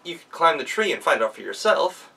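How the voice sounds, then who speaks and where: A man's voice: a little high, big pitch swings, a little fast, creaky, bright, forceful tone, slightly rough, recorded from a distance, voice pushed up, heavily acted. A man voicing a clever, polite young girl in a storybook tale, hesitant and feigning innocence. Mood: tempting. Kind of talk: storybook character voice.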